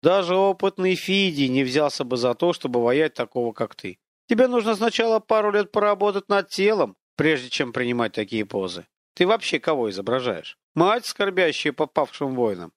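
A man voicing an invisible, boastful male war god who mocks and lectures in a pompous, drawn-out, declamatory way. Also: fairly high pitch, very animated, dry recording, studio quality. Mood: mocking.

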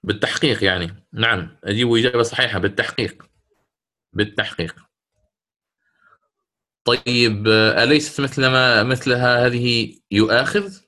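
A man's voice: mid-range voice, normal speed, pauses often, bright, forceful tone. A man teaching a class on Quran recitation rules, questioning his students and explaining each rule step by step.

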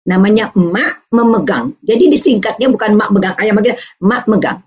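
A woman's voice: medium pitch, a little fast. A woman from Aceh gives a parenting seminar talk, telling a personal story and acting out the voices in it, at times becoming tearful. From Aceh, Indonesia. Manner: animated, acts out quoted voices, turns tearful. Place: online video seminar. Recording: muffled lo-fi online meeting audio.

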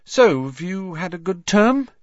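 A man's voice: sits high, sing-song, measured pace, dry recording, pitched above the performer's own voice. Harry, an awkward teenage boy, read by a man. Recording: dull dry recording.

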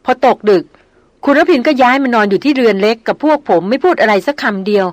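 A woman's voice: a little high, expressive, quick pace, dry recording, close to an everyday voice. A woman reading as a chatty old jungle hunter. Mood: gossipy. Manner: polite, gossipy storytelling with deferential particles. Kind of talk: audiobook character reading.

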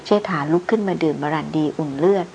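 A woman narrator reading a novel aloud in a steady, even storytelling manner. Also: low-pitched, fast, a little hiss or hum, low-quality recording. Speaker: audiobook narrator.

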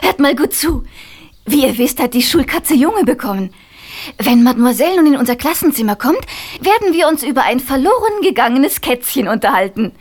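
A woman's voice: sits high, sing-song, brisk. An actress voicing a bold prankster schoolgirl in a children's radio play, confident and scheming. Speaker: Jenny, boarding-school girl.

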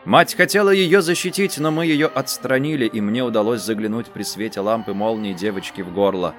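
Man reading a story over soft music. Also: on the low side, brisk. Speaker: narrator. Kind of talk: audiobook story reading, first person. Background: faint music.

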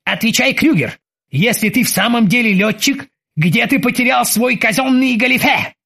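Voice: mid-range voice, normal speed, vocal fry, a bit bright, pitched above the performer's own voice. A narrator voicing a blustering ship captain who interrogates in broken mock-German, bossy and barking. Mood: bossy interrogating. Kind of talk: audiobook character voice.

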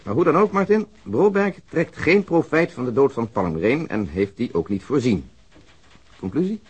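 An actor playing a brisk, shrewd male police investigator in a radio crime drama, assertive and reasoning aloud. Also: mid-range voice, very animated, a little mellow, husky. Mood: brisk, insistent.

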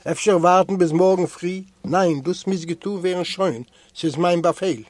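A man reading aloud and voicing a gentle, fatherly prison doctor with a soft, mild voice. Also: high-pitched, normal speed, dry recording. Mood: firm.

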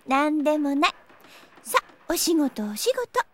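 A woman playing a gentle, supportive high school girl, an encouraging friend in an anime-style audio drama. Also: very animated, slow, full character voice. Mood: playful.

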